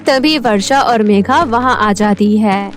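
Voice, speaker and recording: A woman's voice: mid-range voice, slow pace, faint music behind. A woman reading scripted narration for a children's cartoon story.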